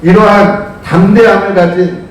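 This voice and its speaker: A man preaching a lively storytelling sermon to young people, asking them questions and calling on them by name. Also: sits high, measured pace. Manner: animated, asks listeners questions, calls on them by name. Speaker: youth pastor. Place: church sanctuary. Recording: echoey church hall, distant mic.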